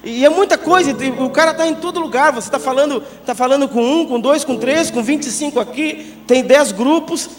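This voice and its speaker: A man's voice: very high voice, brisk, few pauses. A man preaching at a youth congress, chatty and joking, often tossing in tag questions, on a handheld mic. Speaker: pastor. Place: church congress hall. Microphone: handheld microphone. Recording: reverberant hall with background music.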